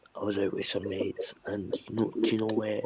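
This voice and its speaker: A man talks at a moderate pace in a strong Scottish accent. Noticeable background noise is present. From Scotland. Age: young. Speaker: live stream guest. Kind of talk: casual chat.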